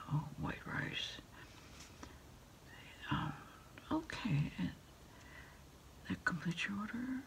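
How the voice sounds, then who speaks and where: A middle-aged woman in a quiet ASMR roleplay, speaking haltingly and hushed as she takes a takeout order over the phone. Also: deep voice, creaky. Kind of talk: ASMR roleplay, whispered one-sided phone conversation.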